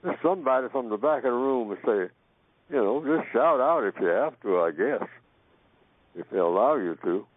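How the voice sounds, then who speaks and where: A man's voice: mid-range voice, animated, moderate pace, no room sound. A man giving emphatic talk radio commentary as a guest, repeating his points and asking rhetorical questions. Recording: dry phone-line audio.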